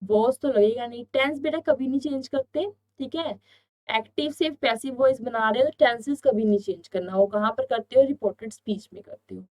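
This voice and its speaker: Young Indian woman teacher, higher voice, quizzes the class with questions and answers them herself. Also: darkish tone, poor audio. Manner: reads English sentences out slowly. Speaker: English teacher. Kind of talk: online exam-prep lesson.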